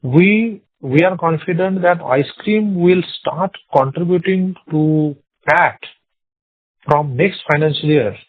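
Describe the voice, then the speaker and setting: A male company executive with an Indian accent fields investor questions over a thin, tinny phone connection. His voice sits a little high. He speaks haltingly, often doubling back on words and phrases, with very little room sound. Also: no echo. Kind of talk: earnings call answers. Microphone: phone conference call.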